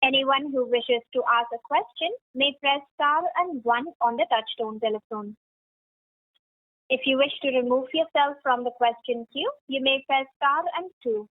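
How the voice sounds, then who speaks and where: Call center lady doing scripted operator announcements, higher voice, tinny phone audio. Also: normal speed. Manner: polite, formal call-centre delivery. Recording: tinny narrowband phone line.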